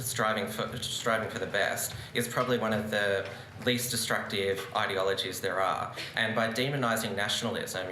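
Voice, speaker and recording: Bright-voiced young man debating. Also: on the low side, a little hiss or hum. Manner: earnest, argumentative, gesturing while speaking. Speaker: debate speaker. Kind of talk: prepared debate speech. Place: large conference room with seated audience. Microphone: lectern microphone on a stand. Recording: roomy conference hall echo.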